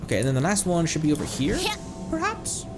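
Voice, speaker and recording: A man's voice: a little high, wildly swooping pitch, quick pace. A man giving casual, playful live commentary while he plays a video game, muttering to himself and exclaiming. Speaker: streamer playing a video game. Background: video game music.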